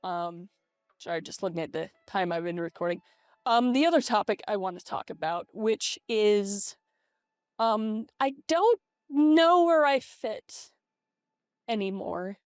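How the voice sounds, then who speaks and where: A woman's voice: medium pitch, a little slow, clear, resonant tone, no echo, studio quality. A middle-aged American woman talking candidly and hesitantly in a casual vlog, her voice run through a voice changer. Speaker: vlogger. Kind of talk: casual confessional vlog to camera. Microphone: webcam setup at a computer. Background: lo-fi game music.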